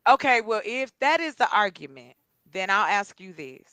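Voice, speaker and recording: A woman hosting a casual chat, making her case in an animated, persuasive way. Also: medium pitch, moderate pace, a loud crowd. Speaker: host.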